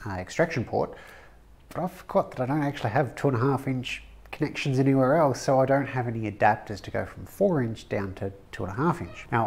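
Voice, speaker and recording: A man in his thirties talks through a workshop project in a relaxed, practical way, with the odd dry aside. He has a mid-pitched voice. He is recorded on a camera mic from a short distance in a brick-walled home woodworking shop. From Australia. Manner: chatty, practical, wry asides. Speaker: woodworking channel host. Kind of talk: casual how-to vlog.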